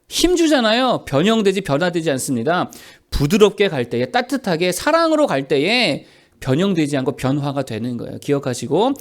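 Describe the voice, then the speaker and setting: A man preaching a sermon as pastor, asking the congregation questions and answering them himself. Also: high-pitched.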